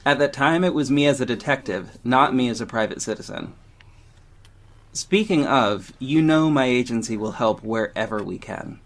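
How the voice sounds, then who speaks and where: A man acting in an audio drama as a confident, sharp-tongued gay councilman with a pointed, theatrical manner. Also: mid-range voice, lively intonation, moderate pace, natural voice. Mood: businesslike. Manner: theatrical, pointed, biting sarcasm.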